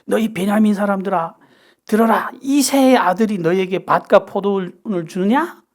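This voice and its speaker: A man's voice: high voice, moderate pace, pitched above the performer's own voice. A man doing furious King Saul. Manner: shouting accusations at his servants.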